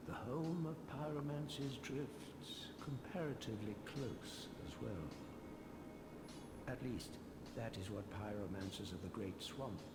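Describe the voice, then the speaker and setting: A man's voice: medium pitch, a little slow, very noisy, natural voice. An actor playing a genial male pyromancy tutor who chuckles often and talks theatrically, heard from a video game. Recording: game audio, roomy, with loud ambience.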